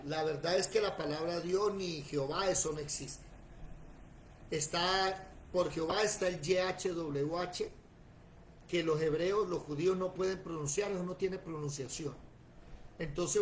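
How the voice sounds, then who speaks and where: A man leads a Bible class in a high, lively voice. He talks plainly and checks in with his students as he goes. A faint hiss of noise sits under the recording. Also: low-quality recording. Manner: animated, plain-spoken, asks the class questions. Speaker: Bible teacher.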